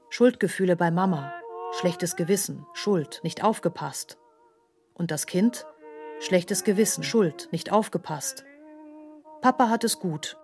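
An actress with a lowish voice plays a grave female narrator recounting a tormented childhood in a literary radio play monologue. She speaks in stark, clipped, emphatic phrases, her delivery terse and fragmented.

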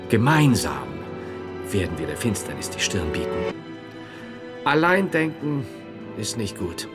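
Solemn, animated medieval monk philosopher. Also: male voice, mid-range voice. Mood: solemn, consoling. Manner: declarative, solemn, emphatic. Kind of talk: theatrical audio drama dialogue. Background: music.

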